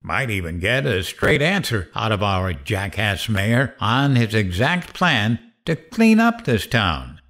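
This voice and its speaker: An actor playing an uncanny mimic posing as a cocky late-night talk radio host, with showy broadcaster patter in a horror drama. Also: male voice, on the low side, very animated, slow pace, hardly any pauses, a bit bright, full character voice. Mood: breezy, cocky.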